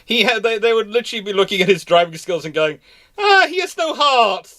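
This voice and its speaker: A man's voice: high-pitched, lively intonation, fairly quick, sharp tone. A man hosting a casual live history discussion, telling stories emphatically in a rambling, self-correcting way. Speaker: livestream host and naval historian.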